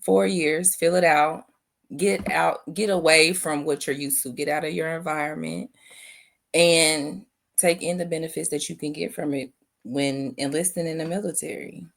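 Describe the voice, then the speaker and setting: A woman's voice: sits low, fairly even intonation, normal speed, vocal fry. A young adult woman, a veteran and business owner, giving thoughtful interview answers and often repeating her phrases.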